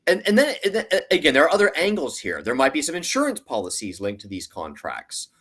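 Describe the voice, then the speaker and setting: A man's voice: on the high side, huge pitch swings, fast, a bit bright, breathy edge. A man giving conversational analytical commentary as a financial analyst, explaining emphatically and acting out hypothetical arguments.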